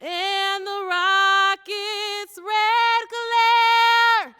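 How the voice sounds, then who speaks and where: A woman singing a national anthem solo with sustained, drawn-out phrasing. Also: very high voice, level tone, bright, forceful tone. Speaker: anthem singer. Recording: long hall reverb with music.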